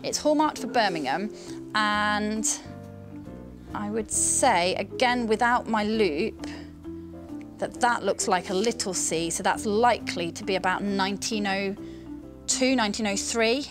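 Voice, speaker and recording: A woman's voice: mid-range voice, a little slow, music in the background. A young woman, an antiques expert, musing aloud and chatting casually in a shop. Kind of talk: casual on-camera talk.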